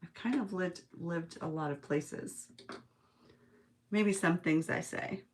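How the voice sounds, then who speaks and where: A woman's voice: lowish voice, slow pace. A woman from the United States hosting a live craft stream, chatting casually as she works, musing aloud and chuckling often. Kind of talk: casual craft-along chat, reading viewer comments.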